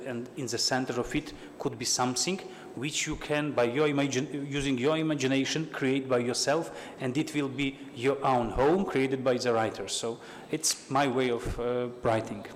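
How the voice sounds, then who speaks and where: A man's voice: mid-range voice, fairly even intonation, normal speed, few pauses. A man from Ukraine, a writer on a panel, speaking hesitantly and searching for his words. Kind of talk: festival panel talk. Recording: hall reverb, faint noise.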